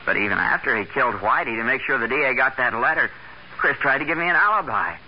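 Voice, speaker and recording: A man's voice: mid-range voice, expressive, fast talker, breathy edge. An actor playing an earnest, plain-spoken and somewhat hesitant young man in a 1940s radio drama. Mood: puzzled. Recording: hissy, muffled 1940s radio recording.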